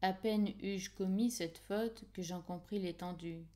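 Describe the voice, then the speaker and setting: Mellow woman narrating an audiobook. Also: mid-range voice, fairly even intonation, unhurried. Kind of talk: scripted literary narration.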